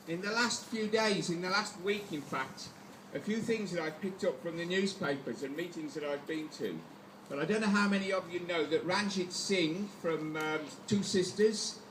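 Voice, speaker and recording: A man's voice: a little high, reverberant, background noise. Impassioned Black Country man at a rally. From England, West Midlands. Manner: impassioned, with halting restarts. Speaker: trade union speaker. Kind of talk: public speech at a rally.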